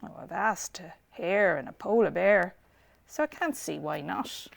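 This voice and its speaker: A woman's voice: fairly low pitch, animated, measured pace, gravelly, no echo, full character voice. A woman voicing a plucky, friendly little girl, curious and polite, in a picture-book read-aloud. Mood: puzzled.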